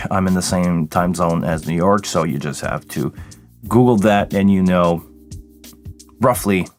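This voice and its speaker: A man hosts a relaxed livestream, greeting viewers by name in a very low, tired voice. He sounds worn out but friendly as he chats at his desk. Soft music plays faintly behind him. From Quebec, Canada. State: tired, voice deeper than usual this morning. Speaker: live sound engineer hosting a livestream. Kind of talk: casual livestream Q&A chat.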